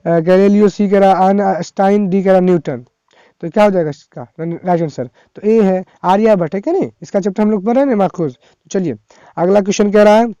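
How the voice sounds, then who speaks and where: Male tutor, high, mellow and clear. Reads quiz questions twice and coaxes students to answer. Dry, close sound. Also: no echo. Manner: reads each question twice, then prompts students to comment; chatty, coaxing. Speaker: teacher. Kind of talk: exam revision lesson, reading quiz questions aloud.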